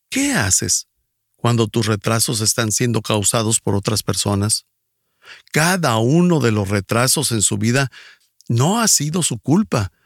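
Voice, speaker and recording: Male preacher, mid-pitched, lively and emphatic delivery, dry studio read. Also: slightly rough, no echo. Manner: emphatic, voice rising on exclamations. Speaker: pastor. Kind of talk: sermon.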